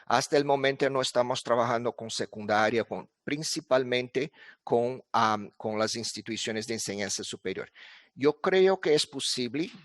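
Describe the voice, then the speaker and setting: A man giving an academic presentation at an online congress in a language that is not his first, speaking haltingly with many filler sounds and restarts. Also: mid-range voice, dry recording, clean studio sound. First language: not Spanish. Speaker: conference presenter.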